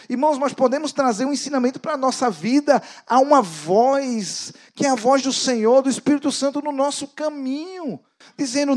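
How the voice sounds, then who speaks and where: A Brazilian pastor preaches a sermon to a church gathering in an extremely high-pitched voice. He is emphatic, swinging between loud exhortation and hushed prayer.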